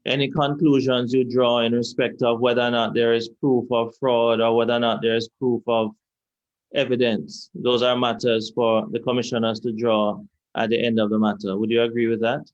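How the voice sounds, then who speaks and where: A man with a Jamaican accent, a lawyer questioning a witness at an inquiry in a measured, deliberate, repetitive way. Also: mid-range voice, flat delivery, muffled recording. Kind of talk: courtroom cross-examination. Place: inquiry hearing room.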